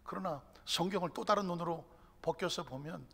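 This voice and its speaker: A male pastor preaching a sermon with many rhetorical questions and repeated phrases, swinging from soft near-whispered asides to loud shouted exhortation, in a church sanctuary. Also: fairly high pitch, brisk, gravelly, breathy edge. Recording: long church hall reverb.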